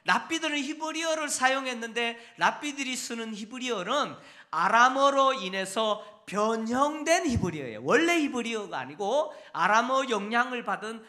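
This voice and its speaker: Male pastor, sermon delivery, bright forceful tone, teacherly with constant rhetorical questions. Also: very high-pitched, sing-song, moderate pace. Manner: teaching, asks the congregation frequent rhetorical questions. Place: church sanctuary.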